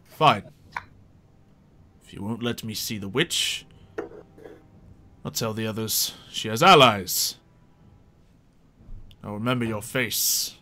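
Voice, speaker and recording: Man playing a pompous, forceful knight. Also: fairly low pitch, slow, pauses often, a little hiss or hum, voice pushed down, full character voice. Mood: grudging, threatening. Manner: pompous, archaic formal phrasing. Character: haughty, pompous knight, a witch-hunting crown loyalist.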